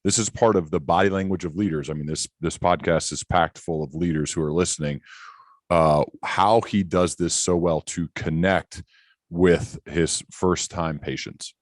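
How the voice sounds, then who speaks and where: A man with a deep voice hosts a conversational interview. He thinks aloud as he frames his questions, in a halting way. The sound is dry, free of room echo. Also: fairly even intonation. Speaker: podcast host, interviewer.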